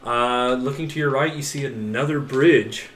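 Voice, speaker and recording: A man running a tabletop game, talking at an even middle pitch as he lays out each scene without rushing. He chuckles now and then. The sound is roomy and echoey, with a faint hiss underneath. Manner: unhurried, descriptive, chuckles often. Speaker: game master. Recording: echoey room with faint noise.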